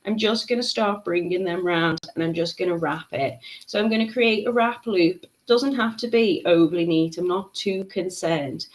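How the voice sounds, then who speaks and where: A woman's voice: on the low side, normal speed, few pauses, rough recording. A woman, giving a live craft tutorial, chatting and laughing as she reads out viewer comments. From Liverpool, England. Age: 30s. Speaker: beading tutor.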